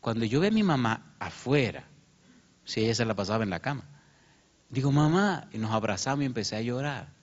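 A man's voice: animated, quick pace. A man preaching a sermon as pastor. He tells a story with feeling and raises his voice when he quotes people. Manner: emotional storytelling, rising pitch when quoting. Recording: muffled lo-fi sermon recording.

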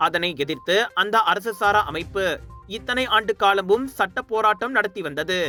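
A man with a Malaysian Tamil accent reading scripted news in a formal, measured way. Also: sits high, pushed and bright. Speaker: news presenter.

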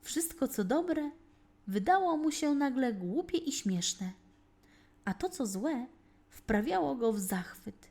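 A woman narrating a children's fairy tale as a storyteller, reading with dramatic, deliberate phrasing. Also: sits high, sing-song, mellow. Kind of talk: scripted narration, expressive bedtime-story reading.

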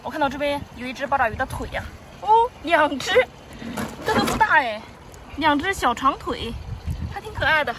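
A woman vlogging as she forages on a rocky seashore, giving excited live commentary full of delighted cries. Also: high voice, moderate pace, noisy background. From Shandong, China. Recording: distant mic with loud outdoor ambience.

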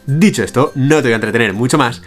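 A man's voice: medium pitch, fast talker, faint music behind. A young man with a Spain Spanish accent, hosting a step-by-step screen-share tutorial from a small room, explaining energetically. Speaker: tutorial host.

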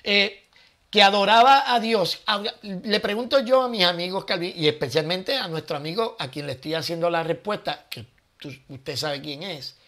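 A man's voice: high voice, normal speed, fairly bright tone. A man hosting his own channel, giving casual Bible teaching with rhetorical questions and thinking aloud.

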